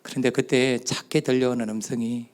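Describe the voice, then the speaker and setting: Brief: middle-aged Gyeongsang-accented man, church elder, storytelling testimony, mid-pitched voice, acts out dialogue. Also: little pitch movement, fairly quick. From southeastern Korea. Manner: storytelling, acting out quoted dialogue; speaks in short spoken phrases. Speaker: church elder giving a talk at a youth retreat. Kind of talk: testimony talk.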